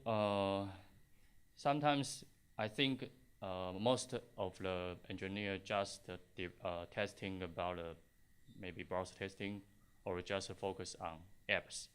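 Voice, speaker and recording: Slow, halting Taiwanese-accented man presenting. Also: deep voice, smooth. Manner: halting, hesitant delivery in non-native English with frequent pauses. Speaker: conference speaker, software test engineer. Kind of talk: conference tech presentation.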